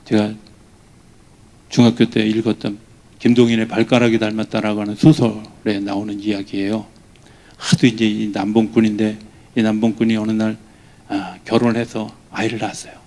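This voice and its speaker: A male pastor preaching a midweek sermon in a church. His voice is mellow and warm, and he swings between soft asides and loud, high bursts as he acts out quoted lines. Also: little pitch movement, moderate pace.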